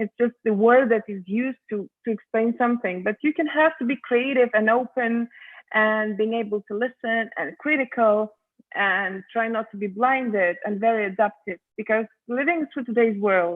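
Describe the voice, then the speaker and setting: At a moderate pace, a woman with a non-native accent speaks in a fairly high pitch with ordinary pitch variation. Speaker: startup founder and CEO. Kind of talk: webinar Q&A. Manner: halting, many fillers and repeats.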